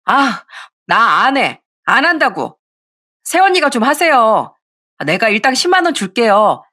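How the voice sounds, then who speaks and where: Woman playing spoiled lazy sister-in-law, whiny, bouncy pitch. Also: big pitch swings, unhurried, bright, forceful tone, full character voice. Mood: petulant. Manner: whiny, petulant.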